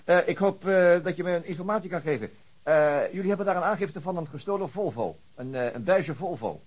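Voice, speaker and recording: A senior male investigator in a radio drama. His husky voice is a little high and quick, with lively swings in pitch. He sounds businesslike and sardonic. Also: dull audio. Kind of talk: radio play acting.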